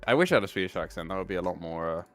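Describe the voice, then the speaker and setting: Male streamer, low clear voice, loose rambling chat over faint music. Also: lively intonation, very fast, fairly bright tone. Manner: rambling, fixing tech while talking. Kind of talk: casual live stream chat.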